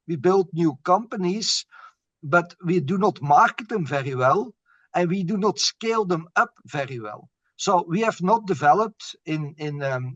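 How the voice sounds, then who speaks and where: A man's voice: fairly high pitch, a bit bright, no echo. A middle-aged man, a bank strategist, answering interview questions earnestly and often repeating words as he searches for them. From Belgium. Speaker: bank chief strategist, guest.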